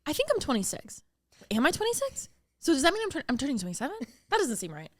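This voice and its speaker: A woman's voice: high voice, huge pitch swings, quick pace. A young woman co-hosting a podcast, telling stories in casual chat and laughing often. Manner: bright, storytelling, laughs often. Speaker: podcast co-host.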